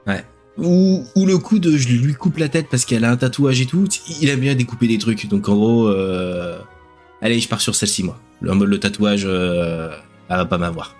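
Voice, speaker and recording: A man co-hosting a game podcast, chatting with relaxed, blunt banter. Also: lowish voice, moderate pace, soft background music. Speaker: podcast co-host. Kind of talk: casual chat.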